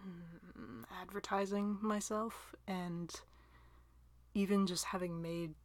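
A young woman's lowish voice, with fairly even intonation, comes through a dry, close-miked recording free of room sound. Unhurried, she wanders through questions from listeners, laughing frequently, putting herself down, and sometimes lowering to a soft near-whisper.

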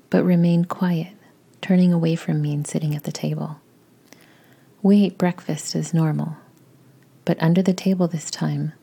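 A woman narrating a story in the first person, in a slow, intimate, breathy whisper. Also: low-pitched. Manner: slow, intimate, hushed delivery.

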